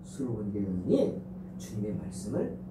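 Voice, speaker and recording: A man's voice: on the low side, very animated, moderate pace, background noise. Fervent male pastor in an echoey church. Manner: fervent, many rhetorical questions. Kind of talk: sermon. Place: church sanctuary. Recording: echoey church hall, distant mic.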